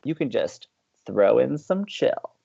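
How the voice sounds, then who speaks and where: A woman's voice: rumbling low, very animated, takes it slowly, gravelly, dark tone, husky, highs cut off, heavily acted. A woman playing an upbeat, teasing, hopelessly romantic college radio co-host in an audio drama, talking in playful, emphatic banter. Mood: teasing, insistent. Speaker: actor in a romantic comedy podcast.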